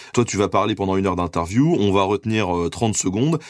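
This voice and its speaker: In a dry, close sound with no echo, a man with an unremarkable speaking voice talks at a fairly quick pace with ordinary pitch variation. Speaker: history podcast host. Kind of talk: casual interview.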